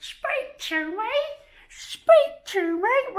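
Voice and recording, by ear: An extremely high, put-on character voice swings very widely in pitch.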